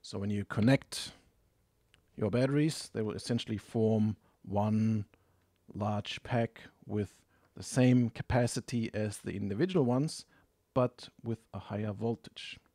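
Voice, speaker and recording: Male tutorial narrator, low register, dry close sound, methodical and unhurried. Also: mellow, dry recording. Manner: methodical, explanatory, matter-of-fact. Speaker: tutorial presenter. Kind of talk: hands-on instructional narration.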